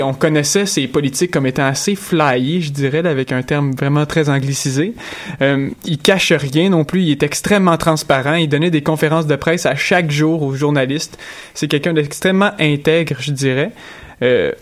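A young man presenting a news item on the radio, halting and full of fillers and restarts. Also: a little high. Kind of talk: radio news recap chat.

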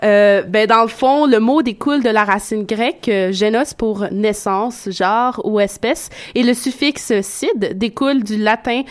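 A woman's voice: on the high side, a little slow, few pauses. A woman giving a radio segment, explaining facts step by step in a conversational way. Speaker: radio columnist.

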